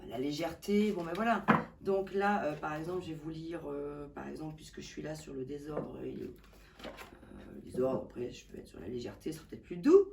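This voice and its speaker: A woman hosting a casual vlog about tarot decks, enthusiastic and hesitant with many fillers, reading card messages calmly. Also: low-pitched, brisk, creaky, noisy background. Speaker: tarot reader and channel host. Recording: voice from a distance.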